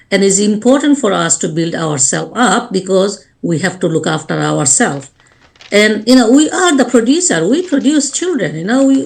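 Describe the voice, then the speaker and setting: A woman's voice: medium pitch, a little mellow. A woman from Bangladesh, speaking earnestly as a life coach and guest on a radio interview. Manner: earnest, speaks in short restarting phrases.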